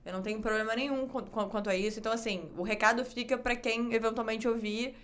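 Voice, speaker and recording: A woman with a Brazilian accent, a poet talking candidly and lively as a podcast guest. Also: on the high side, fast. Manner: candid, lively, self-deprecating. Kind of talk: casual interview chat.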